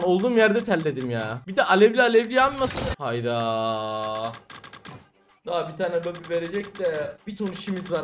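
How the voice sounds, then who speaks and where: Exasperated young gamer man, lively pitch. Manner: exasperated, cursing, groaning at bad luck. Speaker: mobile game streamer. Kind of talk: casual gaming commentary. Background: music.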